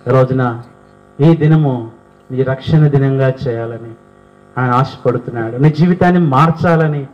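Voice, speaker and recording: A man preaching a sermon fervently, firing rhetorical questions at his listeners and building to emphatic peaks. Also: medium pitch. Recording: dull lo-fi recording.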